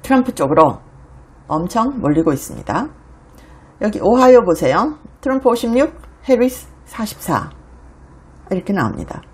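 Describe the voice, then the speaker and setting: A woman hosting a news commentary show, talking animatedly and acting out quoted remarks in a raised voice. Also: husky. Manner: animated, mimics quoted people with raised pitch. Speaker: host of a foreign news commentary channel.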